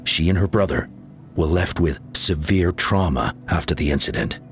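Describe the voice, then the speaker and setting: Deep-voiced, grave tribal leader. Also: male voice, moderate pace, faint music behind. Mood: solemn, sorrowful. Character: grave, caring male tribal leader recounting events. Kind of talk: dramatic video game storytelling.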